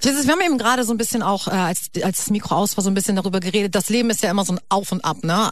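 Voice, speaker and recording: A woman speaks at a very fast pace. Her medium pitch varies in an ordinary way. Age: 20s. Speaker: radio host. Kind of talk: casual chat. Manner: animated.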